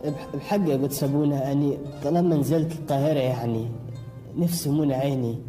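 An actor playing a humble, devout old monk, gentle and deferential, in a religious film. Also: male voice, medium pitch, fairly even intonation, quick pace, soft background music, lightly acted.

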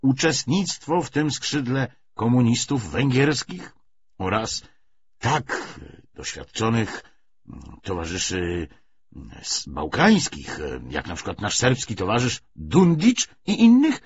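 A pompous communist commissar acted out by a male reader lectures in emphatic, rhetorical phrases. His husky voice swings widely in pitch, on a slightly dull audiobook recording. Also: very animated, slow pace, heavily acted. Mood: lecturing. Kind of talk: political speech within an audiobook novel.

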